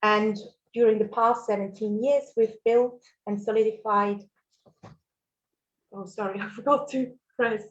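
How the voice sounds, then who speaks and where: A woman's voice: medium pitch, fairly even intonation, measured pace, muffled recording. A Swiss woman whose first language is German, presenting a mortgage webinar in a friendly way with fillers and small laughs. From Switzerland. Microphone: video call.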